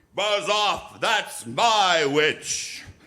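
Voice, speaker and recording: In a put-on character voice, a man sounds shrill, croaky and growling at a high pitch. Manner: dripping, squelchy.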